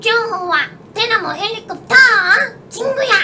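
A woman uses a put-on character voice, pitched extremely high, with a cheerful tone. Light background noise sits behind her. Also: moderate pace. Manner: cute, cheerful.

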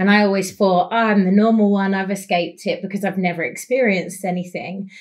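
Against a quiet background, a woman talks in a monotone with flat intonation. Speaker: panel guest. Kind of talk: casual panel discussion. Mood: reflective, candid about breakup. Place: studio.

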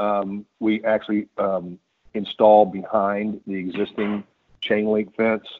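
A man speaks at a fairly low pitch in a monotone, flat way. The background is quiet. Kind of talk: public meeting statement. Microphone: phone line.

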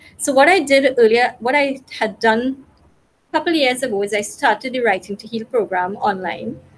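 Pitched high, a woman talks with ordinary pitch variation. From Trinidad and Tobago. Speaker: educator and author; educator. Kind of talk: interview. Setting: video call. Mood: reflective, calm. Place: home room.

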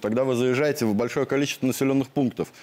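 This man speaks in a fairly high pitch with fairly even intonation. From Latvia. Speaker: blogger. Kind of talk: studio talk show discussion. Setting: studio. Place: studio. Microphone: lapel.

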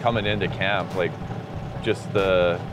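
The recording of a man has a dry sound with no echo but noticeable background noise. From Alberta, Canada. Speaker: professional football player. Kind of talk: interview answer. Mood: relaxed, cheerful. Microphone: lapel.

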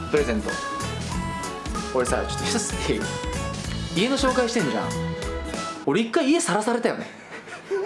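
Clear music plays behind a man who talks at a moderate speed. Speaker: vlogger. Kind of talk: casual vlog chat. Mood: relaxed, playful. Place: home room.

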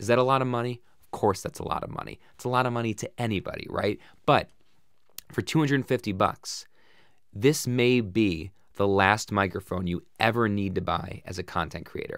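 A man speaks at a moderate pace with big swings in loudness. The sound is dry with no echo, and the background is quiet. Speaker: tech reviewer. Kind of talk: product review commentary. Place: studio.

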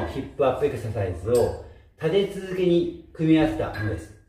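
The man speaks at a moderate pace. Room echo is audible around his voice. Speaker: personal trainer. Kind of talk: tutorial. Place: gym. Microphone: camera far.

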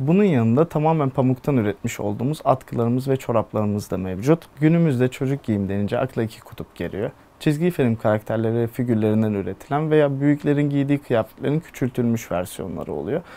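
Here a man of medium pitch speaks at a fairly quick pace with hardly any pauses, lively intonation and a dark, mellow tone. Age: 20s. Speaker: general manager of a children's clothing brand; guest. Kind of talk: interview. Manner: formal. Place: studio. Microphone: lapel.

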